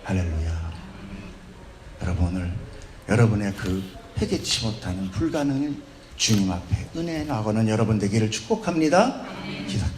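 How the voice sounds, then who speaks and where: A man's voice: fairly low pitch, lively intonation, normal speed, noisy background. A man preaching a sermon as pastor, emphatic and often putting questions to the congregation. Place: church service in a hospital.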